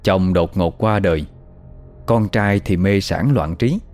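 A man narrating a horror story in a slow, measured storytelling voice. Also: low-pitched, darkish tone, soft background music.

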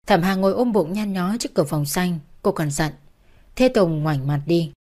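A woman's voice: on the low side, dark tone. A woman reading a novel aloud as narrator, taking every role in the same plain voice.

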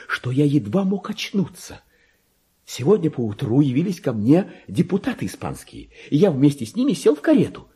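A deluded, self-crowned madman in a literary radio drama. His voice is dark and mellow at a middle pitch, with very lively swings from hushed to shrill. He speaks with erratic, pompous grandeur, every phrase theatrically weighted. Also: breathy edge, heavily acted. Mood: solemn wonder. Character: deluded madman clerk, believes himself king of Spain. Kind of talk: dramatic literary monologue, Russian radio play.

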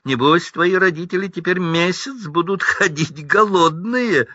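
A man's voice: high voice, measured pace, pushed and bright, no room sound, muffled recording, voice pushed up, full character voice. Draco Malfoy, a sneering boy, as a man reads him. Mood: taunting. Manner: taunting, mocking. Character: sneering spoiled teenage boy wizard.

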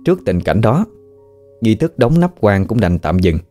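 A man with a Southern Vietnamese accent narrating a ghost story in a steady, measured way. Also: fairly low pitch. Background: faint background music.

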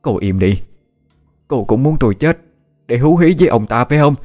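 A man voicing a scheming old mother-in-law in a ghost story, with a shrill wailing voice. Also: lively intonation, moderate pace, a little mellow, faint music behind, close to an everyday voice.

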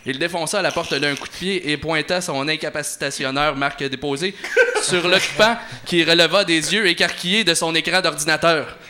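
A man's voice: on the high side, normal speed, bright, forceful tone, slight background noise. A man hosting a show and reading an interactive story aloud, hesitant with fillers between passages. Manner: hesitant, lots of filler, then theatrical reading. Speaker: host and story narrator.

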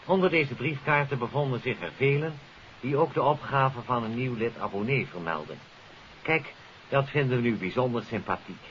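A man's voice: medium pitch, animated, moderate pace, fairly bright tone. A man presenting on 1950s radio, addressing listeners in a formal, courteous, scripted announcement. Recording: hissy, dull 1950s radio recording.

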